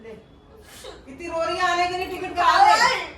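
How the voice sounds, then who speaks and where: An older woman, the vlogger's mother, speaking softly and tearfully in an echoey room. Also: very high voice, moderate pace, a crowd in the background.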